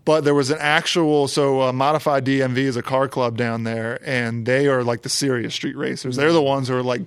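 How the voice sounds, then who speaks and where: Man, car-show co-host, loose rambling delivery, mid pitch, dry close sound. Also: a little fast, clean tone, no echo. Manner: relaxed, rambling, with fillers and restarts. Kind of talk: casual car talk.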